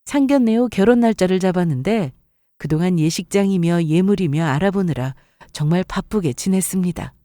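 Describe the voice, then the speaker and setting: Woman narrating, mellow and close. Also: lowish voice, brisk, no echo. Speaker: narrator of a story channel. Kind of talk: first-person scripted story narration.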